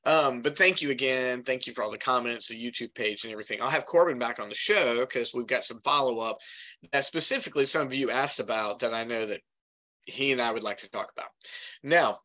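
A man's voice: mid-range voice, brisk, bright, forceful tone. A middle-aged man hosting his own podcast in a casual, chatty way, with many fillers and a slightly congested voice from pollen. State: congested from pollen, occasional cough. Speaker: podcast host. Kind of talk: casual solo podcast talk.

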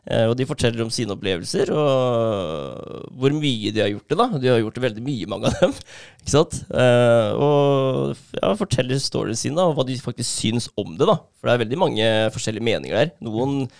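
Gravelly-voiced man telling a story casually. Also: medium pitch, no room sound, clean studio sound. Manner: animated retelling with many fillers and laughs. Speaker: podcast co-host.

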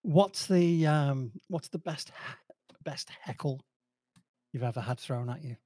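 A man's voice: fairly high pitch, slow, warm tone, dry recording. Podcast host man, dry close sound. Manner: brief encouraging replies, asks questions. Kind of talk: casual interview.

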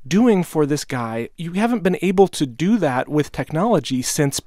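Lively man riffing with laughs. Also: fairly high pitch, moderate pace, dry recording, studio quality. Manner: animated, laughs easily, thinks aloud. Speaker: podcast panelist. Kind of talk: casual panel discussion.

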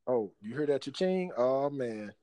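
A man's voice: medium pitch, expressive, unhurried, mellow, dry recording. Laid-back man bantering in slang. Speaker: podcast co-host. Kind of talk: casual chat.

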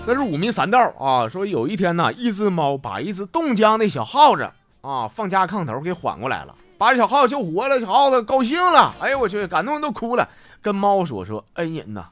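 A man with a Northeastern Mandarin accent tells jokes as a comedy host, with a bright, high voice. His pitch swings in a wildly animated way as he teases and laughs along with his stories. Music plays clearly behind him. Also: a little fast, no echo. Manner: playful, laughing, teasing. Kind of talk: comic storytelling, reading jokes. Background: background music.

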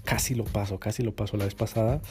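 A man's voice: lowish voice, fairly even intonation, fast, darkish tone. A man hosting a motivational dating podcast, acting out inner voices with gasps and exclamations. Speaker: dating coach podcast host.

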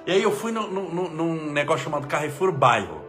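A man, an energetic spiritual leader giving an emphatic inspirational talk and leading prayer. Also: fairly high pitch, brisk, music in the background.

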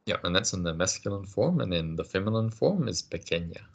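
A man teaching a casual language lesson, patient and encouraging, explaining things slowly. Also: sits low, expressive, vocal fry, lo-fi sound.

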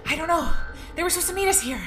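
A woman's voice: very high voice, animated, very fast, music in the background. A woman playing a brash, blunt, impatient young female prisoner in an audio drama. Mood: irritated.

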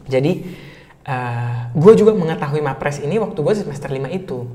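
A young man in his twenties from North Sumatra, a native Batak speaker, chatting casually as an interview guest in a lively way and dropping in English words. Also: a little high. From North Sumatra, Indonesia. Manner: lively, fast talker mixing in English words. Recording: reverberant room.

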